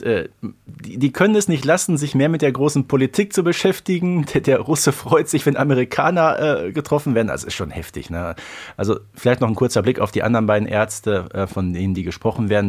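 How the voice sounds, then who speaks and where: A man hosting a podcast in casual chat, pausing often with filler sounds. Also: fairly low pitch. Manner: hesitant, many filler sounds. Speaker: podcast host. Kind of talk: casual podcast chat about a radio play.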